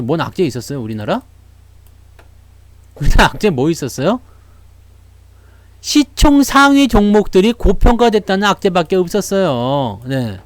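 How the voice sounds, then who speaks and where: Man, market commentator, high lively voice, sardonic rhetorical questions, dry close sound. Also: dry recording. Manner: animated, mocking, rhetorical questions; blunt, slangy asides.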